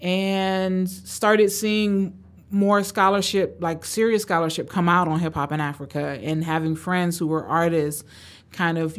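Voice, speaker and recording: A woman with a fairly low voice answers interview questions as a guest professor. She talks in a relaxed, thoughtful way, often pausing and using fillers. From Tanzania, raised in Cleveland, Ohio.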